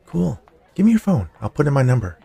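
Teenage high school girl, acted by a male narrator, breezy and forward, raised pitch, storybook read. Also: big pitch swings, a little fast, vocal fry, warm tone, breathy edge, full character voice. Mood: casual, forward.

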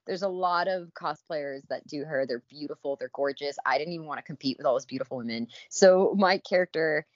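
A woman's voice: low voice, fairly quick, no room sound, muffled recording. A chatty woman guest on a podcast who laughs often, in casual chat.

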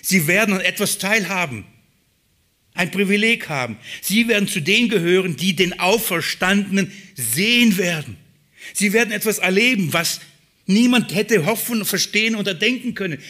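A man delivers a sermon in a bright, forward voice that sits a little higher than most men's. He shifts between hushed, low passages and emphatic, raised ones as he reads scripture and explains it. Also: animated, moderate pace. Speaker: preacher.

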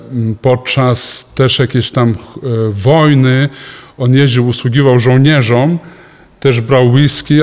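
Chatty pastor preaching in a reverberant hall. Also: male voice, medium pitch, darkish tone. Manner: chatty storytelling, frequent restarts and chuckles. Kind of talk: sermon with personal anecdote. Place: church service hall.

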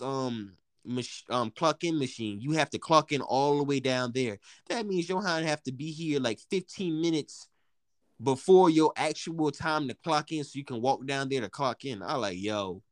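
A young man with a deep voice rambles through a casual chat, slangy and easygoing, stumbling over restarts and breaking into quick laughs. His voice sounds close and dry, with next to no room around it. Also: no echo. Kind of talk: casual chat between friends.

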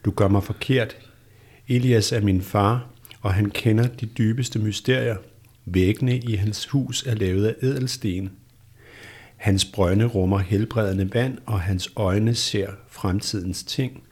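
A man's voice: lowish voice, fairly even intonation, a little mellow, slightly rough. A man reading the part of Salome, a blind young woman, in a pleading, earnest way during an amateur read-through.

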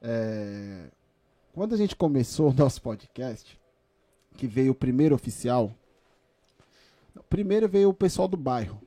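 A man's voice: mid-range voice, very animated, unhurried, pauses often, mellow, no echo. A man with a São Paulo Brazilian accent co-hosting a podcast in casual, slangy talk, repeating phrases for emphasis. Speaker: podcast co-host.

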